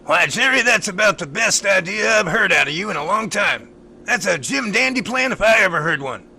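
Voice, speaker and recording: Man acting a feisty older professor, lively and creaky. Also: high voice, fairly quick, a little hiss or hum, full character voice. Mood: folksy, approving. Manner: bantering, folksy old-fashioned turns of phrase. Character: feisty, folksy older male professor, teasing. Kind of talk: amateur audio drama acting.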